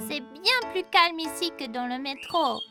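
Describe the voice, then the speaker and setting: Very high, slow-talking little boy. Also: music in the background. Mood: curious, wondering. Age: child character, four years old. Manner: slow, childlike, wondering delivery. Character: curious, slightly timid four-year-old boy explorer. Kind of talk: children's cartoon dialogue.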